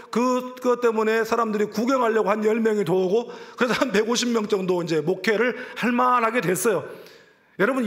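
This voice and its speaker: A male pastor delivers an impassioned sermon in a church sanctuary. His voice sits notably high. He swells into loud emotional peaks, then sinks to hushed, whispered lines.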